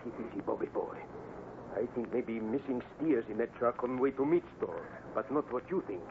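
A man acting as a cautious cowboy-serial scout with a mid-pitched voice. He talks in measured, stilted broken English, terse and steady. The old radio recording is narrow and clearly noisy. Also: natural voice. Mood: cautious, calming. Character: steady, cautious Native scout sidekick to boy hero.

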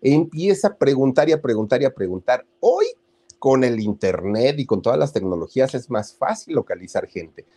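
A man's voice: mid-range voice, lively intonation, moderate pace, warm tone. A man with a Mexican accent casually telling a story to viewers, chatty and full of asides to his listeners. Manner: chatty, addresses listeners with asides and tag questions. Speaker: storyteller host.

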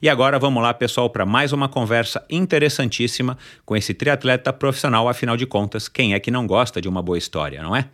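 A man's voice: mid-range voice, fast talker, few pauses, fairly bright tone. A man with a São Paulo Brazilian Portuguese accent, hosting and interviewing on a podcast. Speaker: podcast host.

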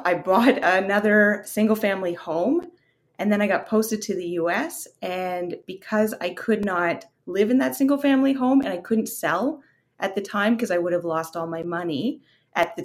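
A woman from Canada in her thirties, a guest on an interview, telling her career story in a casual, open way with fillers. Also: mid-range voice. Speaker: guest, real estate investor.

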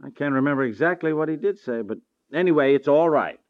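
A man's voice: fairly high pitch, animated, quick pace, close to an everyday voice. Man playing exasperated naive husband, repetitive stammer, swooping intonation, muffled 1950s radio comedy recording. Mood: defensive. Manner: stammering, repeats himself. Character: flustered, easily exasperated husband, naive new property owner.

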